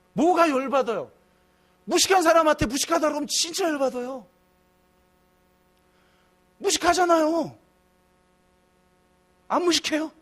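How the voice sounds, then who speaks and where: Middle-aged male pastor, very high pitch, conversational church sermon with soft asides and loud emphatic peaks. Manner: conversational preaching, swings from soft musing to loud emphatic outbursts. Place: church sanctuary.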